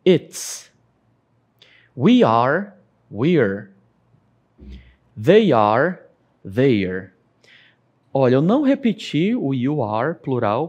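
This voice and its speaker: Brazilian guy teaching on tv, slow and patient, voice goes up and down a lot, keeps saying ok. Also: fairly high pitch, darkish tone. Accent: Brazilian Portuguese. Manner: patient, explains step by step, checks in with "ok?". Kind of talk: televised classroom lesson.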